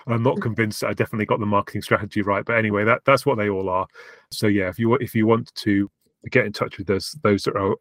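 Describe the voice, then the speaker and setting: Halting, dry-humoured male podcast host. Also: on the low side, no room sound. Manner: halting, repeats words, dry self-mocking humour. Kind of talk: casual podcast chat.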